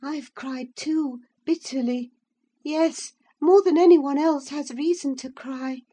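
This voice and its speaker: A woman's voice: high voice, slow, warm tone, voice pushed up. A woman voicing a distraught, spiteful young woman who talks in agitated, breathless outbursts. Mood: bitter.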